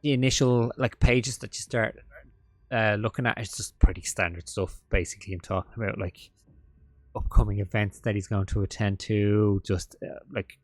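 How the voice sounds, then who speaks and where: A man narrating as game master, talking in a halting way full of fillers and restarts. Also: fairly low pitch, dry recording.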